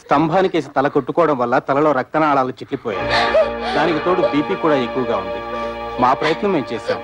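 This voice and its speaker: An actor playing a grave doctor giving bad news in a film scene. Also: male voice, fairly high pitch, expressive, music in the background, close to an everyday voice. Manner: grave, measured. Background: film score.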